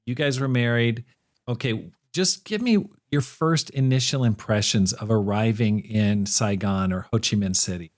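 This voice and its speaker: A man's voice: on the low side, moderate pace. A man hosting a podcast interview, asking questions conversationally with some stammering restarts. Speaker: podcast host. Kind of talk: casual interview.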